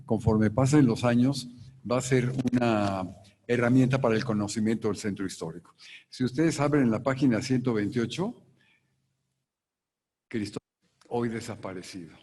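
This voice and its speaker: A Mexican man presenting a book to an audience, talking deliberately and tagging his points with a questioning word. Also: mid-range voice, a little mellow. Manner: deliberate, tags lines with a questioning "sí". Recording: long hall reverb.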